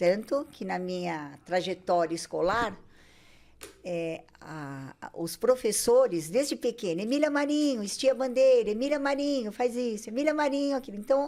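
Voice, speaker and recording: A woman with a fairly high voice and a dark, mellow tone speaks at a moderate pace, her pitch swinging very widely and her loudness shifting a lot. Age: 60s. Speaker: teacher and psychopedagogue. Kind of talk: interview.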